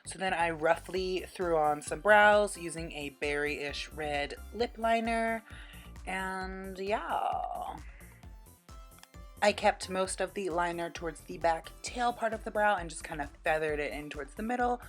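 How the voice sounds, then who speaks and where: A woman with a fairly low voice talks through a makeup tutorial over clearly audible music. She is casual and chatty, keeping her delivery informal with a playful, quirky streak. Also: unhurried.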